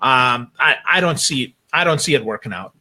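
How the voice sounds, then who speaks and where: His voice is medium-pitched, bright and pushed, moving at a normal speed with lots of animation. The man, a guest panelist who works in sales training and marketing, gives emphatic, blunt takes in a casual chat and frequently checks in rhetorically.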